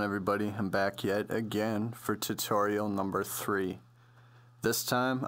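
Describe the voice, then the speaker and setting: A man with a low voice presents a music production tutorial. He explains things casually and loosely, with plenty of slang, as if working it out as he goes. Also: fairly bright tone. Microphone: computer voice-over on a microphone.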